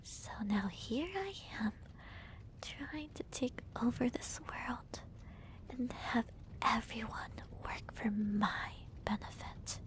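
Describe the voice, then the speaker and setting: A smug villainess acted out by a woman whispers her gloating monologue in an ASMR roleplay. She draws each phrase out slowly and teasingly, in a breathy, fairly high feminine voice with a theatrical air. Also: poor audio. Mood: bitter, cold. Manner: slow, deliberate, teasing, theatrical.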